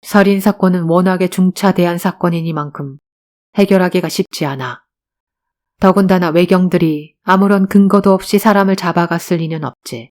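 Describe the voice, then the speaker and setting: A woman voicing a tall, composed young male detective who speaks in a cold, measured way in an audiobook drama. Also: fairly low pitch, fairly even intonation, darkish tone, lightly acted.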